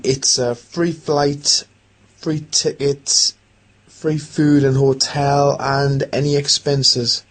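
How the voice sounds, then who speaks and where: A man's voice: on the high side, level tone, slow pace. A man playing an easygoing research team member with a wry, teasing delivery in an audio drama.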